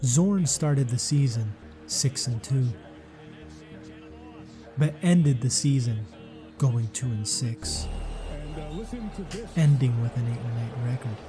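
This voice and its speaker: A man reading a scripted sports documentary narration in a measured, serious way. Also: medium pitch, over music.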